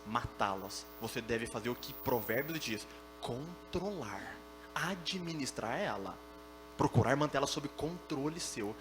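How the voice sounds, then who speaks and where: A Brazilian man preaching a sermon as pastor, emphatic and repetitive, building lists of phrases and slipping into mocking asides. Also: a little high.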